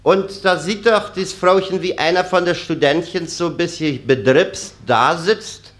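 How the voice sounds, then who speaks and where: A man's voice: a little high, unhurried, fairly bright tone. A man with an East Prussian accent telling stand-up jokes and acting out his characters in quoted dialogue, with audience laughter behind him. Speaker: comedian.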